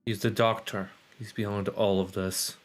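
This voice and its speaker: Low-voiced man thinking aloud while gaming. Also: little pitch movement, moderate pace. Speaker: game streamer. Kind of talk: casual live commentary.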